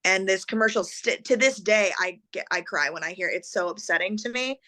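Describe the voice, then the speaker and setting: A woman's voice: medium pitch, a little fast, pushed and bright. A middle-aged woman chatting casually as an interview guest, laughing often and growing emotional as she remembers. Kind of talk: casual conversation.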